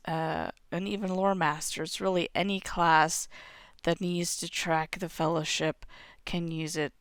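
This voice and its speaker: A woman's voice: on the low side, no echo, studio quality. A woman in her thirties with a cough, hosting a game tutorial and explaining settings step by step into a headset mic from home. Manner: steady step-by-step explaining, clears throat now and then. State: has a cough. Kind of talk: screen-recorded game tutorial. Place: home room.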